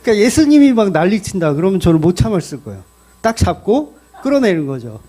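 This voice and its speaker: A middle-aged male pastor preaching a sermon in a lively, joking way, with many questions to the congregation. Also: high voice, quick pace.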